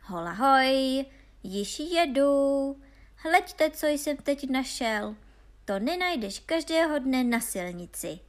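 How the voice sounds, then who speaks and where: A woman reading aloud and voicing a foolish, cheerful young peasant lad who boasts loudly. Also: fairly high pitch, animated, natural voice. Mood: boisterous. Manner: boastful, loud and carefree.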